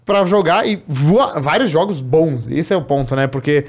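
A man's voice: on the high side, moderate pace. A man in his twenties hosting a podcast, chatting in an enthusiastic, talkative way. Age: 20s. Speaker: podcast host. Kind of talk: casual podcast chat.

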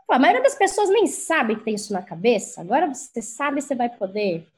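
Husky woman, candid storyteller. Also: fairly high pitch, fairly quick. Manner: frank and animated, swears freely. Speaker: guest. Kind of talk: casual conversational storytelling.

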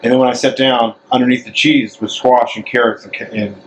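A deep-voiced man rambling playfully. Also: little pitch movement, brisk, background noise. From American South. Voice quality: deep bass voice. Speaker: interview host. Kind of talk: casual chat.

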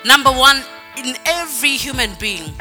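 Her voice high-pitched, animated and bright, a woman preaches at a moderate pace with a forceful edge. Repeating words for emphasis and crying "Amen," she breaks into song at times and varies her speed, all in a reverberant hall where faint music plays.

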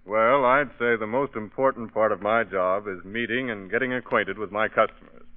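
An earnest man delivers a scripted sponsor testimonial in a fairly low voice. He sounds like a salesman on vintage radio. The recording is heavily muffled. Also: moderate pace. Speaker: fuel dealer, guest in a sponsor spot.

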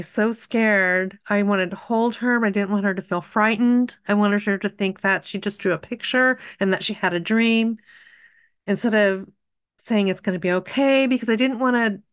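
A woman's voice: mid-range voice, clear, resonant tone, no echo, clean studio sound. A middle-aged woman, a podcast guest, candidly and earnestly recounting a personal story.

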